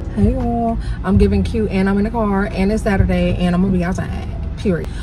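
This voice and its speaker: Speech comes at a very fast pace with a dry sound and no echo. Clear music plays in the background. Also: woman. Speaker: vlogger. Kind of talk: casual vlog chat. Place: car.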